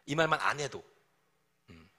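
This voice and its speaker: A man's voice: mid-range voice, expressive, moderate pace, sharp tone. A middle-aged man preaching to young adults in a conversational, teasing way, acting out bits of everyday dialogue. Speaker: pastor.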